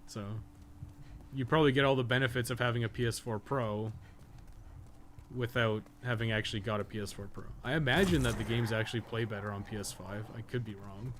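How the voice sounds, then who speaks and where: A man's voice: medium pitch, fairly even intonation, a little fast, a bit bright, slight background noise. A man chatting casually on a live game stream, rambling through blunt opinions with plenty of swearing. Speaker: game streamer and podcast host.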